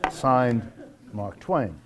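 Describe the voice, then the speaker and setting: A man with an American accent lecturing off the cuff to a live audience, wry and emphatic, slowing for dramatic weight. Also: mid-range voice, animated. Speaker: lecturer hosting a monthly public talk.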